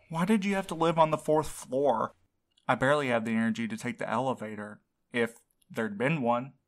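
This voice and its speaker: A man acts a sleep-deprived young male courier in a fiction podcast. He grumbles and snipes in a mid-pitched voice, sounding snarky and worn out. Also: normal speed, natural voice. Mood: snarky, grumbling. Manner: snarky, complaining. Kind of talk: audio fiction podcast acting.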